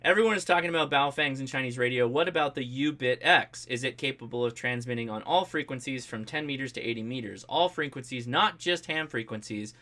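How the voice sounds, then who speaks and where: An American man with a bright, forceful voice at a middling pitch hosts a casual livestream. He talks in an animated, colloquial way, joking as he reads and answers comments from viewers. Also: a little fast, few pauses. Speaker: host of a ham radio livestream.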